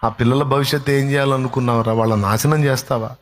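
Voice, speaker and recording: A man preaching a sermon, acting out scolding relatives in a dramatic voice that swings between loud anger and soft replies. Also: mid-range voice, steady tone, rapid-fire, a little hiss or hum.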